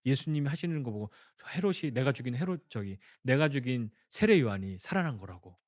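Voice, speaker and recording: A male pastor preaches a sermon, telling the story, asking the congregation questions, and acting out the quoted dialogue. His voice sits in the mid range. The recording is studio quality with no echo.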